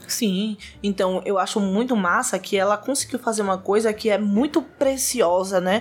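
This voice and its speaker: A woman with a plain, everyday voice speaks at a moderate pace in a medium pitch, with ordinary pitch variation and very even loudness. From Brazil. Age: 20s. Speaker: podcast co-host. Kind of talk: casual chat.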